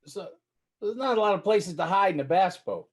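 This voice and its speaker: Playful male co-host, teasing, lively up-and-down delivery, slightly high voice. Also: a little fast. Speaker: podcast co-host, trainer. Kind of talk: casual chat.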